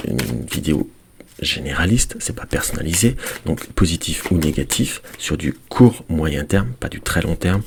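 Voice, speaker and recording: A man with a very low voice, a little hoarse, talking his viewers through a weekly tarot spread. He calls them his dear friends and chats as he lays out the cards. A faint hiss sits under the desk microphone. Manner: counts cards aloud softly. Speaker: tarot card reader. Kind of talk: weekly tarot guidance video.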